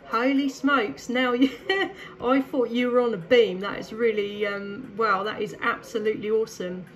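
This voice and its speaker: A woman's voice: a little high, fairly even intonation, normal speed, faint music behind. A woman with a southern English accent chatting casually and enthusiastically as a CB radio operator. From southeast England. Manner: enthusiastic, effusive. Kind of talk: casual two-way radio chat.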